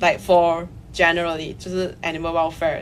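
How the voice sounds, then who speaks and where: A woman with a Malaysian accent and a fairly low pitch speaks with vocal fry, her voice carrying audible room echo. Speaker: veterinarian. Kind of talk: casual chat.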